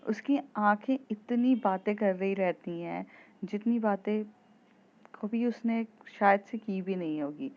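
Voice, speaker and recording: A woman's voice: mid-range voice, a little slow. A woman telling a love story in a chatty, casual way, with fillers and repeats, on a dull lo-fi recording.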